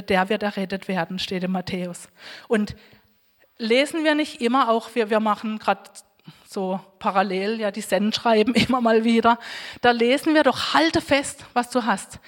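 A woman giving an earnest sermon, reading scripture aloud slowly and exhorting her listeners. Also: on the high side. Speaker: preacher. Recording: long hall reverb.

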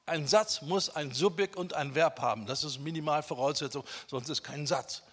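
Man, preacher, emphatic sermon, slightly high, husky, long reverb. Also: normal speed. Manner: emphatic, rhetorical questions, shifts between loud and quiet.

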